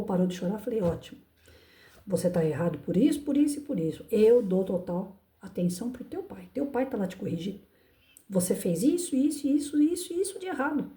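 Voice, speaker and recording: A Brazilian woman, a teacher, telling a story in an emphatic, animated casual monologue. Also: fairly high pitch. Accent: Brazilian Portuguese. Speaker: teacher and channel host. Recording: echoey room.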